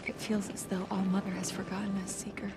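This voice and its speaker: A woman's voice: medium pitch, level tone, a little fast, heavy background noise, close to an everyday voice. An actress playing a grieving, devout tribal woman in the aftermath of war in a video game. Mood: weary, pleading. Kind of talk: dramatic video game acting.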